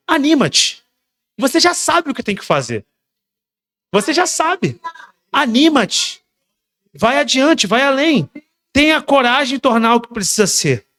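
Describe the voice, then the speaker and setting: A man preaching a sermon, repeating his points emphatically and swinging between soft and loud. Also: high-pitched. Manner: repetitive exhortations. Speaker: pastor.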